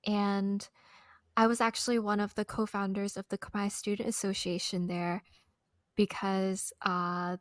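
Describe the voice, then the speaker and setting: A young woman from the United States, a podcast co-host telling a folk ghost story in a relaxed, chatty way. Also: mid-range voice, no echo. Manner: relaxed, chatty with light laughs. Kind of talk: casual storytelling.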